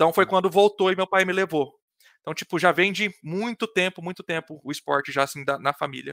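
Here a man speaks at a high pitch with a bright, sharp tone. The recording is very clean with a silent background, and the sound is dry and close with no echo. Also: ordinary pitch variation, fairly quick pace. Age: 20s. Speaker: sport shooter and hardware enthusiast. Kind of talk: casual chat.

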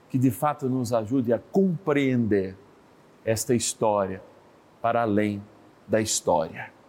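A man keeps a fairly slow speed, his mid-range pitch varying in an ordinary way. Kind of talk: sermon.

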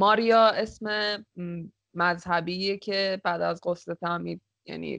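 Using a monotone, flat intonation, a woman speaks at a fairly low pitch and a very slow pace with long, frequent pauses. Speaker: podcast guest, aspiring voice actor. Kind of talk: casual chat. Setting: online call.

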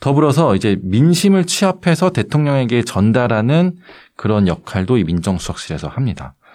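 Against a quiet background, a man at medium pitch speaks at a moderate pace with very wide pitch swings. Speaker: journalist covering legal affairs. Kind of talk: casual explanatory chat.

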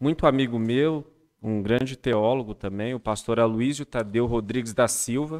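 A man speaks in an ordinary speaking voice, with fairly even intonation at a fairly slow pace. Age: 30s. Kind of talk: casual interview.

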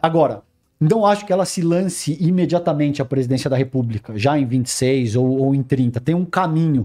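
A man with a fairly high pitch, dark, mellow tone and moderate pace. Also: ordinary pitch variation. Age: 40s. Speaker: journalist and political commentator. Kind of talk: casual chat.

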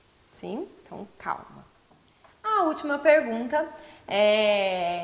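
A woman with a Brazilian accent speaks at a high pitch. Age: 30s. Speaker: dance teacher. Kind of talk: tutorial. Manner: conversational.

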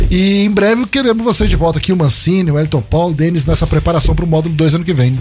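A man speaks at a high pitch and a very fast pace with hardly any pauses, his loudness very even. Noticeable background noise runs underneath. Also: lively intonation. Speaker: sports radio host. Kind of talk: radio sports talk show. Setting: radio studio.

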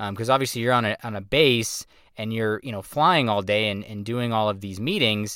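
Recorded very cleanly against a silent background, a man talks at a moderate pace with medium pitch and ordinary pitch variation. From California, Fresno. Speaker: podcast host. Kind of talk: casual chat.

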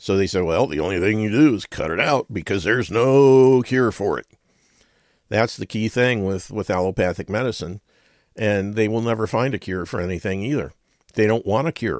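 On a very clean recording with a silent background, a man with a plain, everyday voice talks at a moderate pace, fairly low in pitch and with ordinary pitch variation. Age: 60s. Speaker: radio health show host, retired sergeant. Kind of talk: talk radio monologue. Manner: casual, chatty.

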